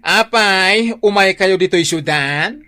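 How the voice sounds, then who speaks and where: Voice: mid-range voice, takes it slowly, sharp tone. A performer playing a sassy, effusive gay cousin in an Ilocano radio drama, exclaiming and teasing.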